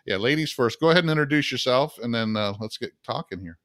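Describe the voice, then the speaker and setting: A man's voice: medium pitch, lively intonation, quick pace, fairly bright tone, no echo, clean studio sound. A middle-aged man from upstate New York hosting a cooking podcast, talking in an easygoing, rambling way with fillers. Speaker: podcast host. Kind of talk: casual podcast chat.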